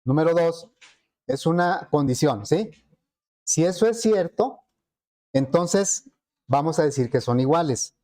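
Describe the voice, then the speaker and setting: A man's voice: fairly high pitch, animated, a little slow, pauses often, mellow. A man teaching a programming class, explaining step by step and asking the students rhetorical questions. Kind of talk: classroom lecture.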